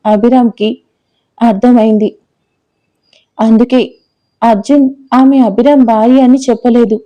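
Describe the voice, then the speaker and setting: A woman narrates a scripted romantic audio story with steady, expressive delivery. Her voice sits a little high yet sounds dark and mellow. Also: muffled recording.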